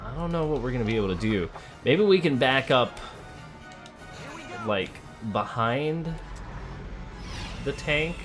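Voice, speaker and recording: A man's voice: medium pitch, lively intonation, a little slow, long pauses, over music. A man giving casual let's play commentary on a video game, thinking aloud and talking to the characters as he plays. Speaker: gamer playing a video game.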